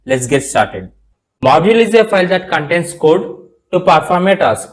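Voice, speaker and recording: A man's voice: fairly high pitch, big pitch swings, normal speed. A man with an Indian accent giving a step-by-step programming tutorial in a repetitive, instructional manner. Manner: repetitive, instructional, spells terms out letter by letter.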